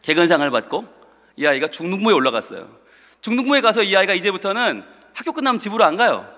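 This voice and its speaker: A male pastor telling a story in a sermon, animated, acting out the voices of the people in it, in a church sanctuary. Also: sits high, fast talker, long reverb tail. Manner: animated, acts out quotes.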